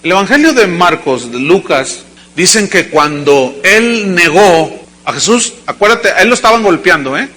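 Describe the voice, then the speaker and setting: High-voiced, bright-toned preaching man. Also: animated, moderate pace. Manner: preaching with bursts of shouting and dramatic quotes. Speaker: pastor. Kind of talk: sermon. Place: church service before a congregation.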